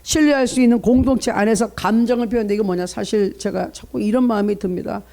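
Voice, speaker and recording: Man, middle-aged, pastor, high voice, earnest preaching, early-morning sermon. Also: fast, gravelly, warm tone. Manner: earnest preaching, reads scripture aloud, acts out parents' inner voices.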